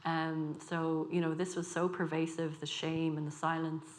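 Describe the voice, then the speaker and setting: A woman in her thirties with a Dublin accent, an author speaking on a festival panel in a measured, reflective way. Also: low voice, level tone. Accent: Dublin Irish. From Ireland. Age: 30s. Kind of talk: panel discussion.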